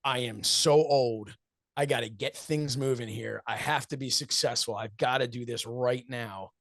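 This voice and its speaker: A man in his forties with a gravelly, textured voice answers interview questions earnestly and reflectively. He tells stories, acts out what friends once said to him, and laughs often, recorded close and dry with no room sound. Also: mid-range voice, moderate pace, fairly bright tone, no echo. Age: 40s. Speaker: wrestling commentator and show host, interview guest.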